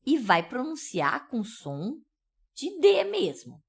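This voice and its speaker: A woman's voice: high voice, wildly swooping pitch, takes it slowly, vocal fry, slightly rough. A woman with a São Paulo accent teaching pronunciation, explaining step by step and checking in with listeners often. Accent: São Paulo Brazilian Portuguese. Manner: explanatory, with frequent "né?" and "tá?" check-ins. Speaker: English teacher. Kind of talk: pronunciation lesson.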